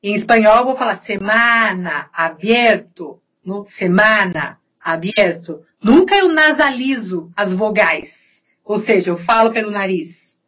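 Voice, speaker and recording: Slow, husky Brazilian woman teaching. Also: medium pitch, animated, a bit bright, low-quality recording. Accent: Brazilian Portuguese. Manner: slow, repetitive, demonstrating sounds and checking in with "né?". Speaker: university Spanish teacher. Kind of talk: recorded lecture on Spanish pronunciation.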